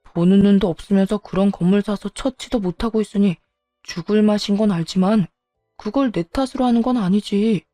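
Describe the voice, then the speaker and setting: A woman's voice: mid-range voice, fairly quick, dark tone, no room sound, faint music behind, close to an everyday voice. A woman voicing a self-pitying ex-husband who pleads, then turns petulant and defensive. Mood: complaining. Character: whiny self-pitying ex-husband, grown man.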